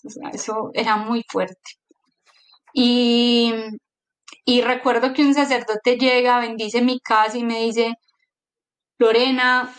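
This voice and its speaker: A middle-aged woman, giving an emotional personal faith testimony. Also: fairly high pitch. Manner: emotional, earnest storytelling with quoted dialogue.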